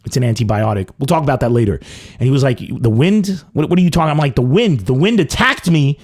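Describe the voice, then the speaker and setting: A young adult man from Lebanon hosting a comedy podcast, delivering a mock-dramatic comic monologue. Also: fast. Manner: animated, mock-dramatic swings in pitch and pace.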